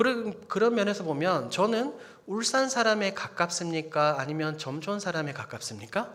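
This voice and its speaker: With audible room echo and noticeable background noise, a man talks at a moderate pace in a high pitch with lively intonation. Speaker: preacher. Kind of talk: sermon. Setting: church evening service. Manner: engaging, asks the congregation questions.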